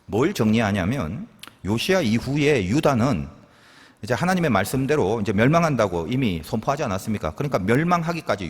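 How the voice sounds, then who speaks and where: Husky-voiced pastor preaching in a church hall. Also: male voice, medium pitch. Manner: conversational teaching with rhetorical questions and asides. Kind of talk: sermon.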